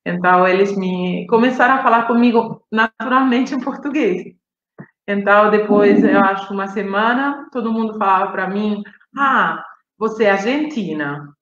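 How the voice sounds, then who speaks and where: A woman from Brazil who grew up in Italy, telling her personal story at an unhurried, reflective pace and pausing to search for words. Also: medium pitch, fairly bright tone, echoey room, lo-fi sound. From Brazil, raised in Italy. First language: Italian. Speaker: guest on a live stream. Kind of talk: personal storytelling on a video call.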